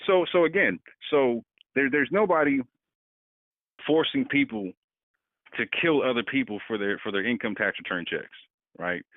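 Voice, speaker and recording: A man making his case in an animated way, often stumbling over repeated words as he pushes a point. His voice sits at a middle pitch and sounds dry, with the thin, tinny quality of a phone line. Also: moderate pace, pauses often, no echo. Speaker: podcast co-host. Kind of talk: casual political discussion.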